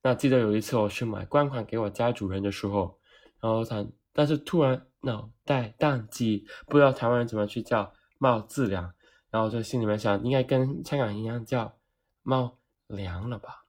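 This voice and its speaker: A man from Hong Kong speaking Cantonese-accented Mandarin, telling comedic personal stories in an animated, self-mocking way and acting out the dialogue. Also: fairly low pitch, moderate pace. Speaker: vlogger.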